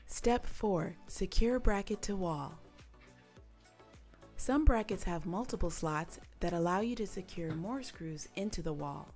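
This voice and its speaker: Lower-voiced woman narrating a DIY video. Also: unhurried, darkish tone, soft background music. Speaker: DIY channel co-host. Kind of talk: scripted how-to voice-over.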